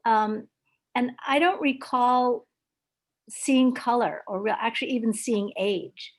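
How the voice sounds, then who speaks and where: An older woman from Hawaii, speaking in a meeting with many pauses, ums and restarts. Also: on the high side. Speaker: club member at a video meeting. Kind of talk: hesitant casual remarks.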